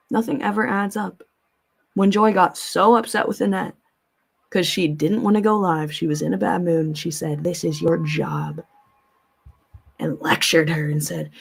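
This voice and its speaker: A woman's voice: on the low side, gravelly, slightly rough. A woman hosting a casual livestream, rambling and thinking aloud in a blunt, informal way and swearing freely. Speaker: live streamer, host. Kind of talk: casual livestream chat, commentary, reading viewer comments aloud.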